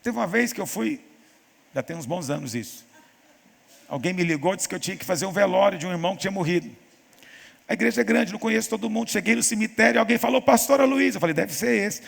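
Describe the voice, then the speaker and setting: A man preaching as a pastor in a church teaching session, telling stories and acting out quoted voices with lively emphasis. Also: high-pitched, quick pace, vocal fry, slightly rough, long reverb tail. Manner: animated storytelling, acts out quoted voices.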